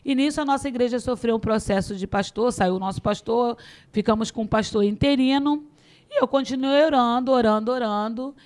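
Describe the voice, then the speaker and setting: A middle-aged woman pastor telling her testimony in a podcast interview, lively and acting out the dialogue, often laughing. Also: fairly high pitch, a little fast. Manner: animated storytelling, acts out dialogue, laughs often.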